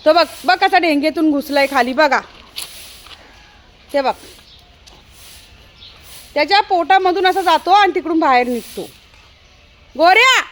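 High-voiced woman chatting slowly outdoors. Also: expressive, fairly bright tone, slight background noise. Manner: scolding and teasing, with frequent laughter. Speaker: vlogger, dog owner. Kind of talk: casual vlog talk to her dog. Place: outdoors in an open ground.

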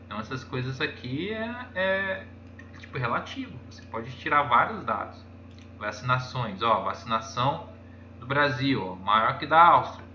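Brazilian guy rambling over charts, super bright voice, echoey room, kinda lo-fi. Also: medium pitch. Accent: Brazilian Portuguese. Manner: rambling, constantly saying "ó" while pointing at charts. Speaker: YouTuber. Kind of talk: casual screen-share commentary. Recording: echoey room, dull lo-fi sound, faint noise.

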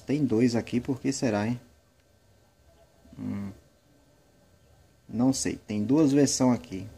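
Loud game music plays behind a Brazilian-accented gaming creator chatting his way through gameplay in a rambling, casual style. His voice is medium-pitched and husky, with vocal fry.

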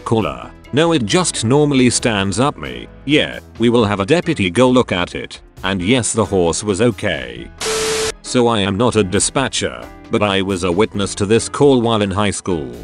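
Male narrator for read-aloud stories: low voice, very lively intonation, soft music under him. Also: normal speed. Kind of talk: scripted narration of online posts.

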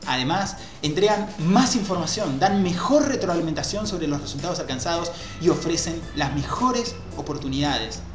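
A man in his thirties speaking on a headset mic in a small room, explaining psychology ideas with lively hand gestures. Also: on the high side, normal speed, few pauses. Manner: animated, gesturing with both hands. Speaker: host. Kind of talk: explanatory talk on a video call. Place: small room with a white wall, indoors. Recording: echoey room with faint music.

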